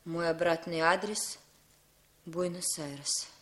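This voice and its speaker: An actress playing a young woman who speaks in a brisk, firm, commanding way in a 1960s radio drama. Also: on the low side, fairly even intonation, a bit bright, slight background noise.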